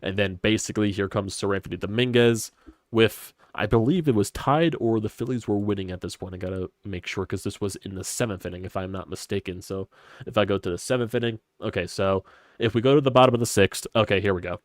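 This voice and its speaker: A man's voice: on the low side, quick pace, dry recording, clean studio sound. A young man in his twenties, congested and stuffy, hosting a casual solo sports talk stream and rambling with opinionated, casual swearing. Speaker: sports podcast host. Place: hot stuffy room at home.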